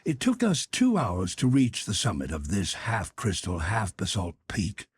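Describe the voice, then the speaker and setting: Male narrator for classic adventure fiction. Very husky, closely recorded and dry, measured and articulate delivery. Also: fairly low pitch, huge pitch swings, dry recording. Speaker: audiobook narrator. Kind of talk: scripted literary narration of a classic adventure novel.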